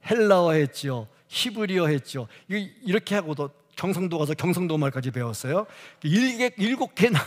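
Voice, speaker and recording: A man delivers a sermon in a fairly high voice that swoops up and down with energy. He talks to the congregation casually, throwing out rhetorical questions and laughing now and then. The sound rings with the long reverb of a church sanctuary. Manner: animated, conversational preaching with rhetorical questions. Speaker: preacher.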